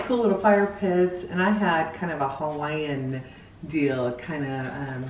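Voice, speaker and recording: A woman's voice: low-pitched, fairly even intonation, measured pace, highs cut off. Middle-aged woman off the mic. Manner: cheerful, descriptive. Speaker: family member. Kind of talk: casual chat. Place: car back seat and living room. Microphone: phone camera held by someone else. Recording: distant roomy noisy phone audio.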